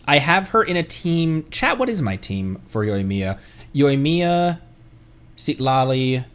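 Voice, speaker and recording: Rambling male game streamer with animated pitch. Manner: rambling, thinking aloud. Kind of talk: casual livestream chat while gaming.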